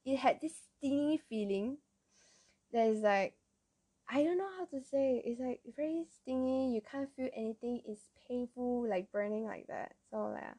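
A woman's voice: on the high side, normal speed, dark tone. A young woman with a Malaysian accent telling personal stories in casual, colloquial Malaysian English as the host of an episode. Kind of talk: casual chat, personal storytelling.

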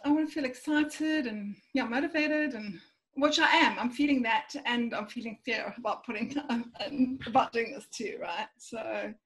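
A woman's voice: on the high side, normal speed, a bit bright, low-quality recording. A woman talking through her fears with a coach, thinking aloud with fillers and hesitations. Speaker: coaching client. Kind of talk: reflective conversation.

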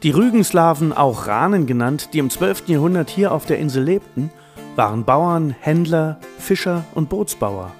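A man's voice: on the high side, lively intonation, moderate pace. A man reading scripted narration for an audio walk. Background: faint guitar music.

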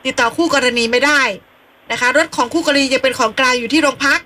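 A woman radio host with a high, bright voice reads listener messages and questions aloud with polite courtesy. She sometimes sounds a little flustered, and the sound has a broadcast quality. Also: fast. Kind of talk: live radio call-in talk.

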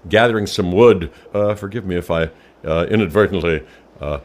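A man's voice: sits low, moderate pace, lightly acted. A man voicing a dithering, apologetic male adventurer in a tabletop roleplay, with hesitant, stammering speech. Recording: loud music behind the voice. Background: music.

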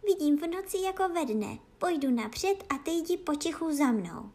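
A woman voicing a clever, sly female cat in a children's fairy tale, with a hushed, hissing delivery. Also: sits high, expressive, pitched above the performer's own voice. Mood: alert, conspiratorial.

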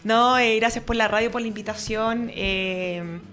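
Higher-pitched Chilean woman, casual radio guest. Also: steady tone, unhurried, a bit bright. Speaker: interview guest, ranchera band member. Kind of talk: casual chat. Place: online radio studio.

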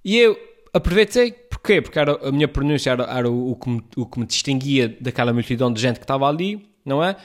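A podcast host with a São Miguel Azorean accent talks in a loose, chatty way. He rambles, restarts his sentences and scatters fillers as he answers a listener. His pitch sits at an ordinary middle height for a man. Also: fast talker, few pauses. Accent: Azorean Portuguese, São Miguel. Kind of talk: casual chat answering a listener message.

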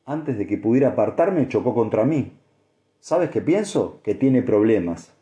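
A man's voice: medium pitch, sing-song, a little slow, mellow. A man voicing a stout, white-haired older farmer who talks bluntly and curiously, in an audiobook. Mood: confiding. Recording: echoey room.

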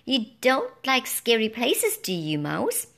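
A cheeky male bird from a children's story, played by a woman, chirping doom-laden teases. The voice bounces lively between high and low. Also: slow, vocal fry, exaggerated voice. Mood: teasing. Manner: chirpy, mocking. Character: teasing male bird guide, gloomy jokes.

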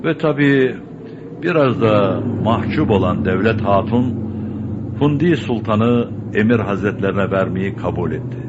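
An actor playing a wise old father who tells the story in a calm, measured way. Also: fairly low pitch. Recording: dull audio with engine noise.

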